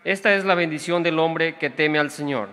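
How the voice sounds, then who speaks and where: A young man recites the psalm at an outdoor Mass in a clear, even way. His tone is bright and pressing, pitched a bit high. A long reverb from the sound system follows his words. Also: moderate pace. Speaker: psalm reader. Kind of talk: reading a responsorial psalm. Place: outdoor tented stage. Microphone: stand microphone. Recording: reverberant public address sound.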